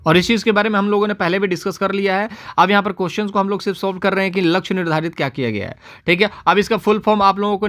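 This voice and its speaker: A man runs an exam-prep lesson at a brisk clip. His voice sits high and lively. He talks straight to his students, quotes their doubts back to them, and keeps telling them to remember the answer. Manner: explains fast, repeats key answers and says "याद रखिएगा"; addresses students directly, quotes their comments. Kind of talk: exam paper analysis lesson.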